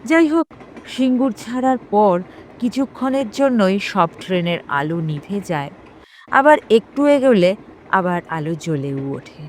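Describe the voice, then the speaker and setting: A woman reads a story as dramatic, suspenseful narration, in measured phrases broken by pauses. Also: mid-range voice, animated, slight background noise, poor audio. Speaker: storyteller reading a ghost story. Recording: music behind the voice. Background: background music.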